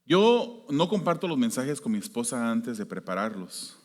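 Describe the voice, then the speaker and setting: A man from the United States preaching a sermon as pastor, shifting between loud emphasis and quiet, hushed prayer. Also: mid-range voice, sing-song, normal speed. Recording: long hall reverb.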